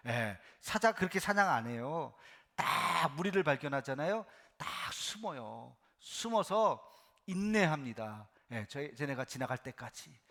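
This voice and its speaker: Korean pastor guy preaching, bright voice, swings his pitch all over. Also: unhurried, vocal fry. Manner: animated storytelling, acts out biblical voices; drops to a soft hush for emphasis. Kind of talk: sermon. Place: church sanctuary.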